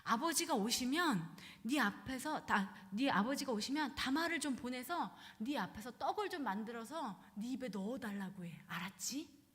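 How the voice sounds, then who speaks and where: Figure: woman voicing a sly male schemer. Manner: coaxing, hushed. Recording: long hall reverb. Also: a little high, lively intonation, moderate pace. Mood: scheming. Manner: conspiratorial, coaxing.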